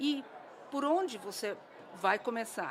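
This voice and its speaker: Her voice is high, and her intonation is lively. The woman speaks at a fairly slow pace. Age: 60s. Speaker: cancer patient in remission. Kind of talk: testimony. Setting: congress, live podcast.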